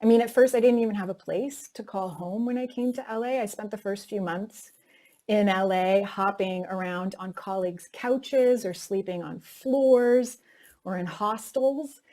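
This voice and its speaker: A woman speaks in an interview at a middle pitch, neither high nor low. She tells her story in a candid, reflective way, with plenty of casual "like" and "you know" along the way. The talk is unscripted and personal. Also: unhurried, warm tone. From North America. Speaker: actress interviewee.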